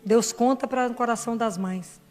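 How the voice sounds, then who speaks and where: Fervent high-voiced Brazilian woman preaching. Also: brisk, a little mellow. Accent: Brazilian Portuguese. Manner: fervent, preaching to the crowd with retold dialogue. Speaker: Catholic speaker and doctor. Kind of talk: devotional sermon on Mary. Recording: reverberant hall with faint music.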